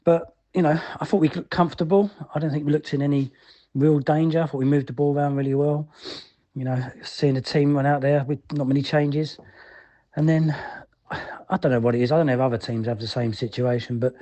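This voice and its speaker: A man's voice: a little high, steady tone, a little fast, mellow, muffled recording. A man giving a casual, rambling match review as a fan's voicemail, in colloquial language. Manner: colloquial, rambling, frequent "you know". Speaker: fan leaving a voicemail for a podcast.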